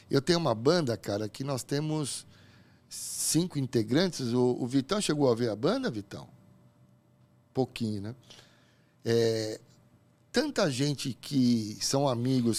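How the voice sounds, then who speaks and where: A man's voice: mid-range voice, a little mellow. A man from Brazil hosting an interview, asking long rambling questions with hesitant restarts. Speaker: host. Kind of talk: conversational interview.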